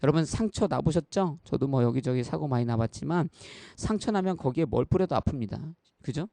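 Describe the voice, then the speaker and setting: A pastor in his thirties delivers a sermon in an earnest, conversational way, speaking straight to the congregation and weaving in stories from his own life. His voice sits a touch high for a man, with a gravelly, fry-tinged edge and a mellow, dark tone. The sound is dry and close, with little room echo. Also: expressive, fairly quick. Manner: addresses the congregation directly and repeatedly. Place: church.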